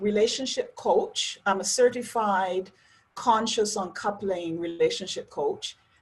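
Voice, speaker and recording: A woman speaks at a fairly slow pace. Her voice is somewhat breathy and fairly high. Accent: Barbadian. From Barbados. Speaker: relationship coach. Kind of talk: interview.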